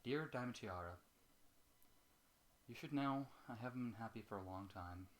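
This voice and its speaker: A man's voice: medium pitch, moderate pace, close to an everyday voice. A man reading as a weary, sorrowful young schoolgirl pony in a storybook, subdued and resigned. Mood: resigned, sad.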